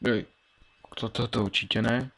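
A man's voice: mid-range voice, steady tone, vocal fry, fairly bright tone. A young man in his late teens casually commentating his own gameplay, mumbling and thinking aloud as he plays, with keyboard and mouse clicks behind him. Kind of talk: casual Let's Play commentary.

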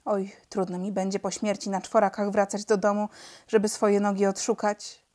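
A calm male pilot with no legs, wry and matter-of-fact, trading dry jokes, as a woman reads his lines in a storybook. He talks a little higher and louder than the narration around him. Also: normal speed, natural voice. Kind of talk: storybook reading.

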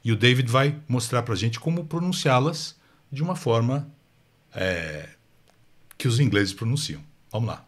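A man with a São Paulo Portuguese accent hosting a language podcast in a lively, chatty way. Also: mid-range voice, a little slow. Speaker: host. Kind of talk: casual chat.

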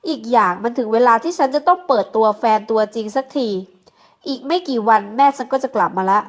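A woman's voice: fairly high pitch, lively intonation, fast talker, lightly acted. Woman doing a bossy rich young man. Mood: teasing. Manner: teasing, domineering.

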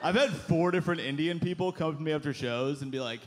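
A man in his thirties doing a stand-up set on a club stage with a handheld mic, punchy and animated, with loud put-on voices. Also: on the high side, fast talker. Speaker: stand-up comedian. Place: club stage before a live audience. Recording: live club recording with crowd noise. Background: audience laughter.

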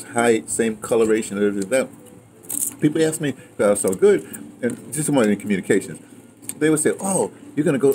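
A man's voice: medium pitch, a little mellow. Older American man reminiscing over background noise. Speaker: interview guest, playwright and audio dramatist. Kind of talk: casual reminiscing conversation. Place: outdoor patio table. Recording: noisy outdoor ambience on open mic.

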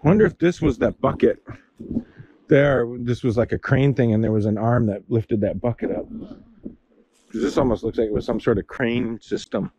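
Walking outdoors on a windy beach, a middle-aged male vlogger gives rambling, casual commentary and points things out in a husky, mid-range voice at a moderate pace. The recording is muffled, with loud wind.

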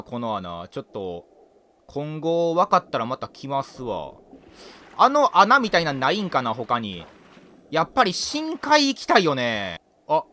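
A young man with a Kansai accent gives casual game commentary. His voice sits high and bright, and it swoops up and down as he exclaims over each new find and laughs easily. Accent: Kansai Japanese. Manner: chatty, laughing, exclaiming at discoveries. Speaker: game streamer.

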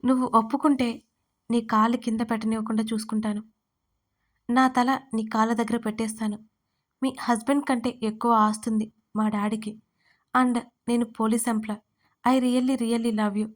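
A woman's voice: a little high, little pitch movement, normal speed, long pauses, close to an everyday voice. A woman voicing an obsessive young man who pushes his unwanted love, mixing in English phrases. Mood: pushy. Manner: pleading then demanding, mixes English phrases. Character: obsessive young man, pushy police employee.

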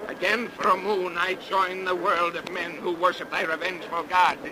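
A man's voice: sits high, flat delivery, normal speed, lightly acted. Through the heavy noise of an old 1930s radio broadcast comes a man acting out a cursed ship captain who lives among the dead. He is bitter and vengeful, declaiming in a brooding, grandiose, archaic manner made for horror drama. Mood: defiant, raging.

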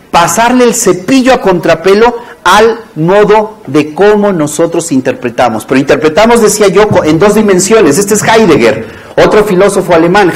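Animated man lecturing. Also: sits high, poor audio. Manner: animated, joking, addresses audience as comrades. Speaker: workshop instructor. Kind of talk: lively classroom lecture.

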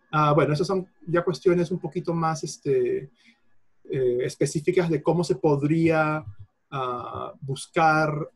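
A man gives an explanatory lecture to an audience, his voice slightly husky and a touch higher than most men's. He works through examples by repeating them and breaks off phrases to restart them, in a patient, teacherly way. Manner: didactic, repeats examples, self-corrects mid-phrase. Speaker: lecturer on Quechua linguistics. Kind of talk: explanatory lecture answering a participant.

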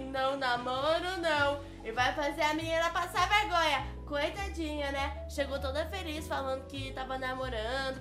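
Girl youtuber chatting to her viewers, high bright voice, echoey room w/ soft music. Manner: chatty, talks straight to viewers. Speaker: YouTube host. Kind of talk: casual reaction commentary. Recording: roomy room, faint music behind.

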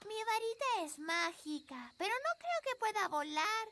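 A woman's voice: very high voice, big pitch swings, measured pace, noisy background, full character voice. A woman voicing an earnest, childlike little fairy princess in a children's cartoon dub. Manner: earnest, childlike, clearly enunciated. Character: sweet little fairy princess girl, earnest and easily upset. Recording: music behind the voice.

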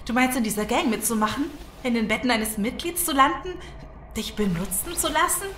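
An actress playing a prim, disapproving young nurse in a German audio drama, sounding indignant. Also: female voice, on the high side, lively intonation, fairly quick, a bit bright. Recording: echoey room, clear background noise.

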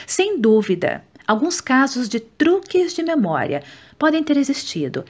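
A woman with a Brazilian Portuguese accent, reading a nonfiction book aloud in a steady, measured way. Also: high-pitched. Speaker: audiobook reader. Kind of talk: scripted audiobook narration.

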